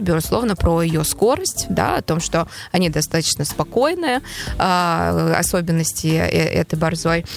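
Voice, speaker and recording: A woman guiding listeners through paintings in a halting way, with many filler sounds between phrases. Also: fairly low pitch, vocal fry. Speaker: art guide. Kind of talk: explaining paintings in a chat show.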